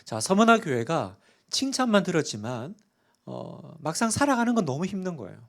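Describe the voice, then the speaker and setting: A man's voice: a little high, sing-song, moderate pace, gravelly. A middle-aged man, a pastor, preaching a sermon in a church and often putting questions to the congregation. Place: church sanctuary.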